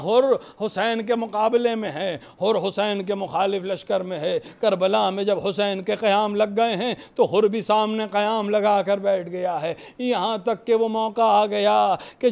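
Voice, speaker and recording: A male cleric with a Lucknow Urdu accent recites a Muharram majlis in an impassioned, lamenting way. His voice sits very high for a man and carries a gravelly rasp. At its peaks it breaks into shouted, anguished cries. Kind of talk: Muharram majlis sermon with dramatic recounting. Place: large hall, indoors.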